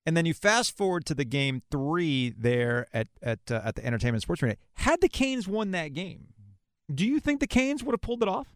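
Animated male sports podcast host. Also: on the high side, fairly quick, smooth, no echo, studio quality. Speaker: podcast host interviewing a guest. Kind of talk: casual sports talk interview.

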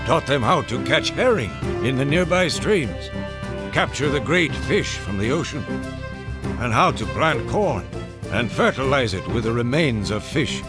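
An actor playing a dignified Native American chief who fondly recounts the past in measured, solemn radio drama narration. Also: male voice, mid-range voice. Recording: music behind the voice. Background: clear music.

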